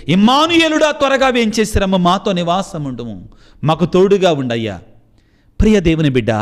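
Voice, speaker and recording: A man, a Catholic priest, giving an impassioned sermon and then leading a spoken prayer. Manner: impassioned preaching, rising high on appeals.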